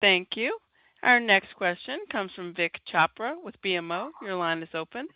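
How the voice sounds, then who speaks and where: A woman's voice: mid-range voice, animated, moderate pace, no room sound. A woman speaking as a conference call operator, making formulaic announcements to introduce questioners. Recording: dull, band-limited call audio.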